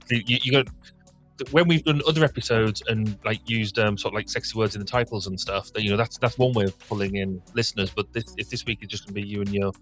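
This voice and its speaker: A man's voice: on the low side, fast, fairly bright tone, soft background music. A man with a British accent co-hosting a live podcast, teasing and rambling in casual banter. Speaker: podcast co-host.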